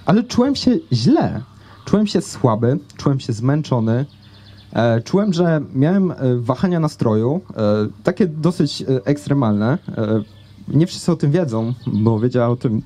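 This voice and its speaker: A man's voice: mid-range voice, warm tone, husky. A young man telling a personal story on an outdoor festival stage into a handheld mic, chatty and full of hesitations. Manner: conversational with many fillers and hesitations. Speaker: speaker giving a talk. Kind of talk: personal story told to an audience. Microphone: handheld microphone.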